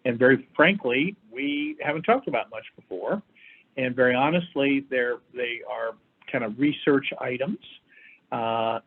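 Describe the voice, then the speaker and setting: Hoarse man on a phone-like line. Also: mid-range voice. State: lingering respiratory infection with chronic cough. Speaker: doctor hosting a health update for firefighters and EMS. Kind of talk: informal medical briefing. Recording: thin, phone-like band-limited audio.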